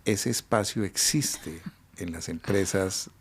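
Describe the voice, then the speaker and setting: A man hosting an interview podcast, asking measured, probing questions. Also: deep voice, husky. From Colombia. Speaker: podcast host.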